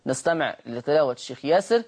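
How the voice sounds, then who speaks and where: A man teaching Quran recitation on a broadcast lesson, patiently repeating words slowly to demonstrate their sounds. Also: a little high, very animated, darkish tone, slightly rough. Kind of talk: televised Quran lesson, explaining Warsh reading.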